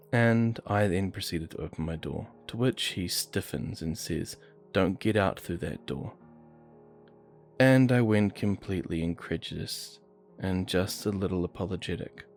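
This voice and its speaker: A man reading true horror stories aloud in a steady, measured storytelling manner. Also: low-pitched, creaky. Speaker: narrator. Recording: faint music behind voice.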